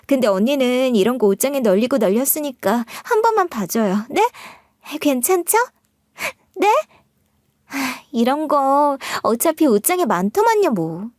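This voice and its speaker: A brash, cheeky young sister-in-law, as a woman storyteller puts her on, whiny and pushy. She is pitched high with a lively, swooping delivery in a dry, close recording. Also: no echo.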